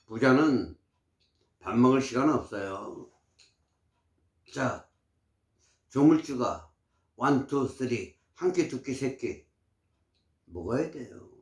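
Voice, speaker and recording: Older guy in his 60s preaching health tips, lively up-and-down voice, echoey room. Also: medium pitch, takes it slowly, long pauses. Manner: emphatic, preachy storytelling. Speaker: vlogger. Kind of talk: casual advice talk to camera. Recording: roomy echo.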